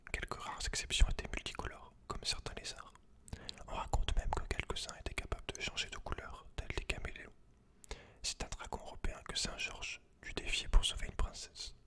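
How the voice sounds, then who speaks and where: A man whispers throughout in a breathy, voiceless tone. He delivers it as ASMR, softly reading and explaining things informally and directly to the listener. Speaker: ASMR video creator. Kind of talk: whispered ASMR, reading aloud with casual asides.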